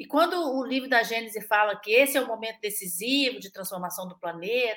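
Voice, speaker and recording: With lively intonation, a woman speaks in a bright, sharp tone at fairly high pitch. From Minas Gerais, Brazil (Governador Valadares). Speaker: spiritist center volunteer and speaker. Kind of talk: casual religious discussion. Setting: video call.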